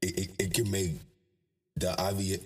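A man's voice: low-pitched, little pitch movement, normal speed, a little mellow, far from the mic. A young man with an African American accent chatting casually and informally in slang on a podcast. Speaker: podcast guest or co-host.

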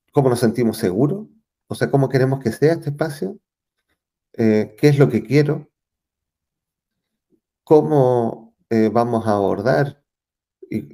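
A Chilean man answers interview questions in a reflective, searching way, circling back and restarting his sentences as he thinks. His voice is mellow and dark, with a gravelly rasp underneath. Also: medium pitch. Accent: Chilean Spanish. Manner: thoughtful, searching for words, frequent restarts and fillers. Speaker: interview guest.

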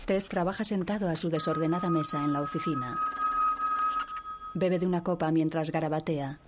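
A woman reading scripted audio description in an even, descriptive manner. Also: fairly low pitch, brisk, very noisy.

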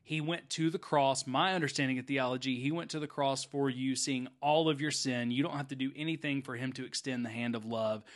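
A man, a podcast host and former student pastor, chatting casually and telling animated stories, often tagging "right?" or "okay?" onto his points. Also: medium pitch, fairly quick, hardly any pauses. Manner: animated storyteller, frequent "right?" and "okay?" tags. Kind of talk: casual chat.

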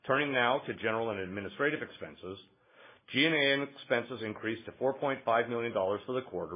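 Husky man reading on a muffled phone line. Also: lowish voice. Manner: formal, measured reading of figures. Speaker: company finance executive. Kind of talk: scripted financial report on an earnings call. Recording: muffled, narrow phone-line conference audio.

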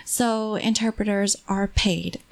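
Woman, native Hmong speaker, medium pitch, interview guest, explanatory talk. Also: steady tone, slow pace, vocal fry, rough recording. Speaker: agency representative, interview guest.

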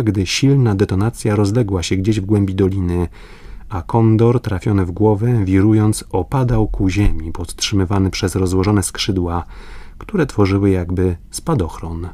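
Deep-voiced man reading an audiobook. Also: darkish tone, dry recording. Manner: measured, dramatic reading. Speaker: audiobook narrator. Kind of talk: scripted audiobook narration.

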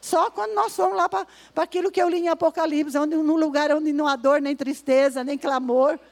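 Woman preacher, high voice, slow weighty scripture reading, mimics complainers. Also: steady tone, vocal fry. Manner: acts out complaining voices in asides. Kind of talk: sermon at a women's service.

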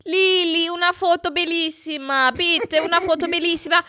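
A woman putting on an elderly Italian man with an Italian accent who speaks broken German, slow, drawn-out and imploring. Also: extremely high pitch, steady tone, bright, forceful tone, voice pushed up. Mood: pleading.

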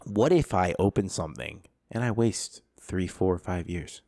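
Guy around 30 with a low voice, sweary bro talk, casual podcast, really dry close sound. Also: measured pace, vocal fry, no room sound. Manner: animated, emphatic, swears freely, says "bro" and "dude". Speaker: podcast co-host. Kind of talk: casual chat.

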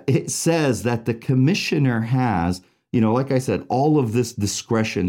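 A man's voice: mid-range voice, mellow. A man born in Iraq, a trial attorney, explaining a legal case in casual, rambling talk full of fillers and asides. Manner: chatty, many fillers and asides, laughs at own jokes.

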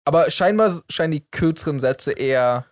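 A young man co-hosting a casual chat, relaxed and joking as he explains a game. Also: on the high side, brisk, no echo, studio quality. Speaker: podcast co-host.

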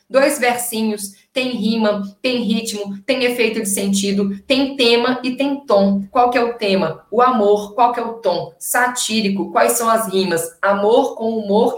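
A Brazilian woman with a Brazilian Portuguese accent teaching a literature class in a chatty, enthusiastic way, often asking rhetorical questions. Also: a little high. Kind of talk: casual online class lecture. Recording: echoey room.

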